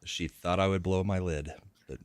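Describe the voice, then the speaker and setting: A man's voice: low voice, steady tone, moderate pace, clear, resonant tone. A man in his forties who is a panelist in a casual discussion and talks in an easygoing way, with light chuckles. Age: 40s. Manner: easygoing, chuckles while telling stories.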